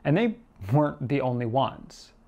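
A man's voice: medium pitch, very animated, normal speed, dark tone. A man in his thirties giving a conversational, scripted theatre review, arguing both sides with himself in an opinionated, emphatic manner. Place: small indoor room with shelves and TV. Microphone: lapel mic.

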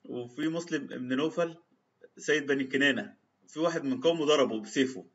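A man's voice: mid-range voice, fairly quick, a bit bright. A man with an Egyptian Arabic accent giving a storytelling religious talk, retelling old anecdotes and reciting quotes in formal classical Arabic. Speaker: religious speaker. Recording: slightly dull lo-fi sound.

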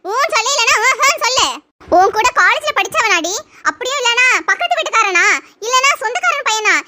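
A woman voicing a mocking high-pitched cartoon girl. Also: expressive, a little fast, background noise. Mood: taunting. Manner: taunting, sarcastic. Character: sharp-tongued young woman, mocking and blunt. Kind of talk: cartoon voice acting.

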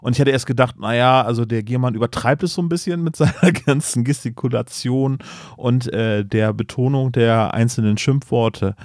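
Ein Mann moderiert locker und scherzend einen Podcast und lacht oft. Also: male voice, mid-range voice, normal speed, no room sound, studio quality. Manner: relaxed, joking, laughs often. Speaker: podcast host. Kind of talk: casual podcast chat.

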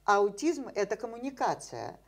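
An older woman talks as a scientist guest on an interview program, her voice at an ordinary middle pitch. She explains animatedly, scattering fillers and rhetorical questions, recorded seated indoors in a dim room. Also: big pitch swings, normal speed.

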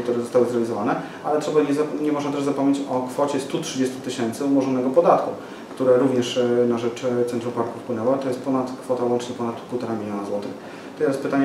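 Speaking flatly at medium pitch, a man in his forties, a local party activist, halts through a press conference statement full of fillers and restarts. The small, windowed office room and far-off camera mic leave the sound echoey, roomy, and noisy.

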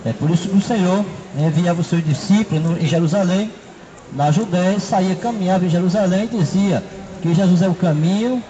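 A man's voice: high voice, brisk, mellow, lo-fi sound. A middle-aged man, preaching an open-air sermon into a handheld microphone in a city square, often adding "né" and "não é" between his phrases. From Brazil. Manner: repetitive, fills with "né" and "não é". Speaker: street preacher. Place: city park square, outdoors.

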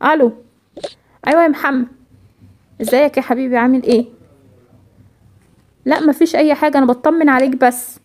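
A woman's voice: sits high, steady tone, brisk, long pauses, darkish tone, close to an everyday voice. A woman voicing a patient, affectionate mother with an Egyptian accent. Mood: soothing. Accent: Egyptian Arabic. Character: gentle caring mother of a young girl.

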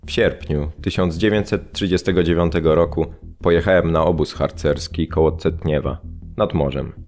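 An actor playing a former Polish scout who recalls flight and captivity in weighty, fragmentary phrases for a documentary radio drama. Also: male voice, rumbling low, fairly even intonation, normal speed, darkish tone, soft background music. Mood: sombre recollection.

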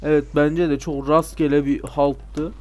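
A man with a voice pitched a little above average talks his way through a video game in loose, casual commentary. He grumbles sarcastically at the characters, argues with them, and breaks into sudden shouts when something goes wrong. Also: unhurried. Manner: excitable, talks back at game characters, sudden loud outbursts. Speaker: let's play gamer.

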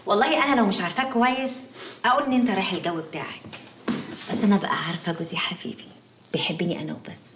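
Brief: fast-talking Egyptian actress as a worried young wife, emotional. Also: female voice, mid-range voice, noisy background, natural voice. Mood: teasing. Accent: Egyptian Arabic. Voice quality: pleading, emotional. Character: devoted anxious young wife. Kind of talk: TV drama acting.

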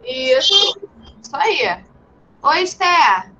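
A Brazilian woman teaching young children over a video call, patient and gentle, calling pupils sweet names. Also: sits high, big pitch swings, very slow, lo-fi sound, a little hiss or hum. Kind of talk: online class for young children.

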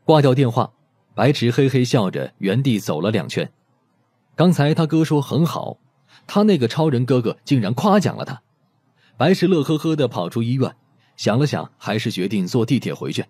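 A man narrating a mystery audiobook in an expressive storytelling manner. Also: medium pitch, moderate pace, slightly rough, dry recording.

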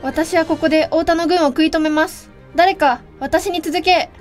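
Loyal samurai princess , female actor, young, high-pitched, brave, theatrical delivery for a historical audio drama. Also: fairly even intonation, moderate pace, faint music behind. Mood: resolute, desperate. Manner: dramatic, archaic warrior speech. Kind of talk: Japanese historical voice drama acting.

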